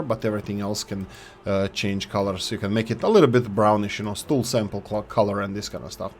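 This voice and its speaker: A man's voice: fairly low pitch, a little hiss or hum. Chatty man reviewing game mods. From Yugoslavia. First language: Serbo-Croatian. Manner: chatty and enthusiastic, often restarts words. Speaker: gaming YouTuber reviewing mods. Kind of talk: casual gameplay commentary.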